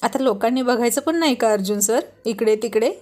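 A woman's voice: on the high side, brisk, a little mellow, lightly acted. A woman reading a storybook voices a playful, stubborn young pregnant wife who pouts and teases. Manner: pouting, playful.

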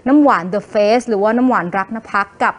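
A woman's voice: medium pitch, fairly quick. A woman co-hosting a television entertainment news show, presenting celebrity stories playfully and teasing her co-host. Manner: playful, expressive, teasing questions.

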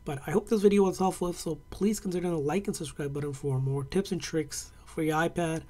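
Male tech host, relaxed mellow voice, easygoing tutorial narration at a desk. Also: on the high side, fairly quick. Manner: casual, friendly, with fillers. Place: indoor desk setup, hands on tablet.

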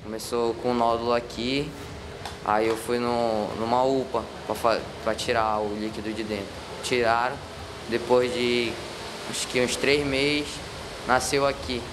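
A young Brazilian man talks haltingly and in a flat, level tone through a face mask. He sits in a clinic room with clear background noise around him. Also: mid-range voice. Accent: Brazilian Portuguese. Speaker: patient. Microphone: handheld mic, wearing a face mask.

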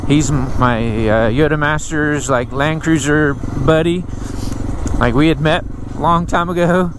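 A man's voice: a little high, steady tone, unhurried. A middle-aged man casually narrating a motorcycle ride, rambling and easygoing with plenty of fillers, recorded outdoors on a helmet-mounted mic. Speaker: motorcycle vlogger. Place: outdoors riding a motorcycle on dirt trails. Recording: engine and wind noise under the voice. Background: motorcycle engine and wind noise.

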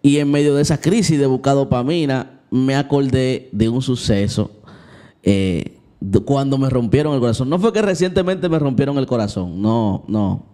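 A young man tells his own story to the camera in a candid, confessional way. His voice is mellow and warm, and its pitch sits in the middle range. He talks straight to his viewers and acts out the moments he describes. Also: moderate pace. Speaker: Christian vlogger. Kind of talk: personal storytelling vlog.

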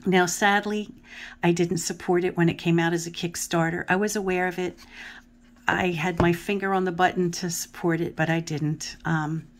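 A woman's voice: fairly low pitch, fairly even intonation, moderate pace. A middle-aged woman with a Philadelphia accent, chatting at home in a rambling way as she shows tarot cards, sometimes trailing off into a murmur. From Philadelphia area. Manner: chatty, rambling, often drops to a murmur while looking at cards. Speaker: tarot video host. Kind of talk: casual deck walkthrough. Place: home table. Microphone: camera above the hands, speaker off frame.

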